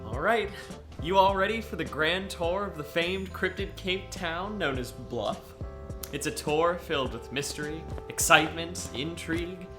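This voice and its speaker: A man's voice: a little high, measured pace, over music, close to an everyday voice. A man playing a playful, showy young tour guide in an audio drama, with a theatrical, mock-grand delivery.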